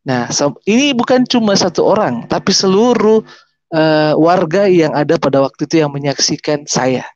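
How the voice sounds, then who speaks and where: Man, 30s, Makassar Indonesian accent, testimony storytelling, full of restarts, a bit high-pitched. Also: expressive, normal speed, no room sound. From South Sulawesi, Indonesia. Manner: rambling, with many restarts and fillers. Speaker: guest sharing a testimony. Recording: dull lo-fi sound.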